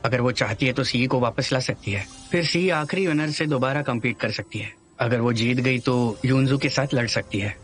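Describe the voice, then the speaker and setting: A mid-range male voice, a man voicing a plain-spoken character who lays out the rules in a dubbed drama. His delivery is even and explanatory, with no flourishes. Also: medium pitch, moderate pace, hardly any pauses, natural voice. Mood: explaining. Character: matter-of-fact man explaining contest rules.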